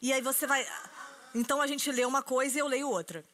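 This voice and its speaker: Uma apresentadora de programa conduzindo uma entrevista bem-humorada, provocando o convidado com piadas rápidas. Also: female voice, sits high, fairly even intonation, fairly bright tone. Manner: teasing, jokey, quick asides. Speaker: talk show host. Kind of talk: comic interview hosting.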